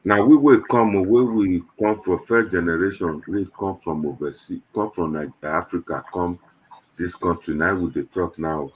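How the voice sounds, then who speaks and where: A man's voice: low voice, moderate pace, a little hiss or hum, low-quality recording. A man with a Nigerian accent hosting an online panel show in Nigerian Pidgin, talking to viewers in a casual, rambling, conversational way.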